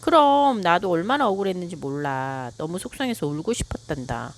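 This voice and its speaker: A mother speaks to her child in a firm, direct way, as a woman voices her while reading aloud. The voice sits low but moves a lot in pitch. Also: expressive, brisk. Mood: consoling. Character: scolding mother, then gentle and consoling.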